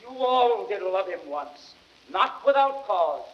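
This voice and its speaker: An actor playing a grieving, slyly ironic Roman orator, delivering a measured, impassioned speech in classical Shakespearean radio-drama style. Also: male voice, high-pitched, very animated, heavily acted. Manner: declamatory, measured, rhetorical. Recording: dull vintage record sound.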